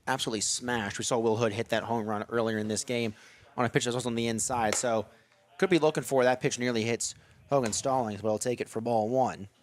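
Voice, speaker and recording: A young man calling a baseball game on the radio from a ballpark press box, steady in tone and lifting his voice on big plays. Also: mid-range voice, brisk, slight background noise. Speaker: play-by-play announcer.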